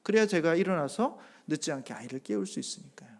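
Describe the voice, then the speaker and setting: A middle-aged man preaching a sermon in a voice pitched high for a man. He presses hard and loud on the key phrases, then drops to a soft, near-hushed tone. Between those peaks he tells homely family anecdotes in a plain, conversational way. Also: very animated, fast. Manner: tells a homely family story with acted-out quotes. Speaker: pastor.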